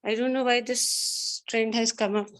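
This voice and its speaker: A biology teacher with a South Asian accent and a slightly high, steady voice addresses her class, whether online or in a classroom, speaking a little slowly. She lectures and counsels her students, earnest and maternal as she admonishes them, often repeating points and mixing Hindi phrases into her English.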